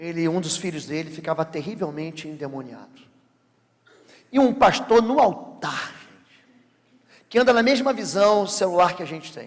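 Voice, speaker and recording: A man with a Rio de Janeiro accent, a high pitch, lively intonation, a moderate pace, long, frequent pauses and big swings in loudness. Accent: Rio de Janeiro (carioca). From Rio de Janeiro, Brazil. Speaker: pastor. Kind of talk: sermon. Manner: animated.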